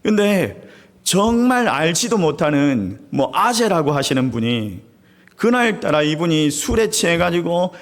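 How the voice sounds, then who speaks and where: Guy pastor preaching sunday sermon, pretty high voice, dramatic storytelling, keeps talking right to the people in church. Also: unhurried. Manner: animated storytelling, acting out crowds and weeping; often appeals directly to the congregation. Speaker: senior pastor. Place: church sanctuary.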